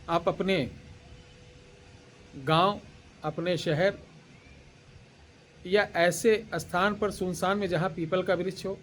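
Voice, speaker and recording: Man slowly dictating a mantra. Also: high voice, a little hiss or hum. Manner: slow deliberate dictation, chanting words one by one; repeats phrases, throat-clearing pauses. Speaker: tantric spiritual teacher. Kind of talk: devotional instruction with mantra dictation.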